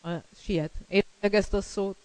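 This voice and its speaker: High-voiced, smooth male preacher. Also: fairly even intonation, darkish tone, no echo, low-quality recording. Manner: emphatic, repeats key words, fillers. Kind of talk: sermon.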